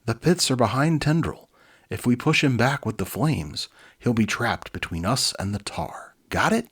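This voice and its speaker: A man voicing a gruff, determined team leader who hunts monsters, speaking with urgent command in a storybook. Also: mid-range voice, expressive, moderate pace, pitched above the performer's own voice.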